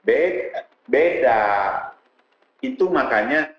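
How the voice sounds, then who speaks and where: Male guest, earnest and animated, slightly high-pitched, echoey lo-fi room. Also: slow pace. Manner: animated, addresses host as "Pak" often. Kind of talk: casual talk show conversation. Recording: roomy, dull studio sound.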